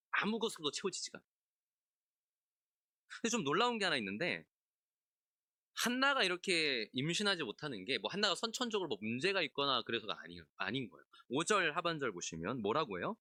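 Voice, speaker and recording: A man's voice: fairly high pitch, big pitch swings, fairly quick, long pauses, sharp tone, no echo, clean studio sound. A man pastor giving an expository sermon at a midweek service, talking in a conversational way, asking the congregation questions and acting out characters in asides. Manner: acts out biblical characters in asides, laughs often.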